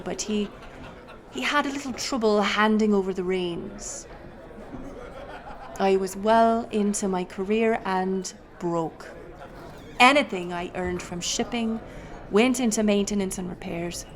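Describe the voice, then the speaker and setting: A woman playing a wry, roguish pirate smuggler captain, telling her tale theatrically in an audio roleplay. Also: mid-range voice. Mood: rueful. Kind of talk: in-character audio roleplay storytelling.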